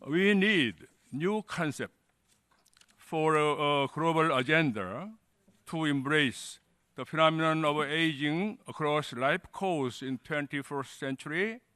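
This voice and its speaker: A man delegate at a conference, making a formal statement and pausing often with fillers. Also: on the high side, sharp tone, smooth, no echo. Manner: halting, many uh fillers, formal. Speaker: delegate asking a question. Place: conference hall.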